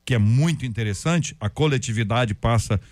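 A man, a pastor, talking about prayer in a relaxed, conversational way and acting out stories and prayers. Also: medium pitch, moderate pace, dry recording. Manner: storytelling, acts out prayers and quotes. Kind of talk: conversational faith talk.

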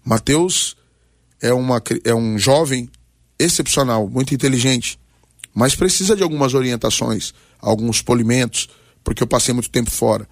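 A man's voice: mid-range voice, normal speed, no echo, clean studio sound. A Brazilian man in his forties, a pastor giving personal testimony and exhortation on a talk programme in short, emphatic, preacherly phrases. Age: 40s. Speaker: pastor, guest on a radio debate.

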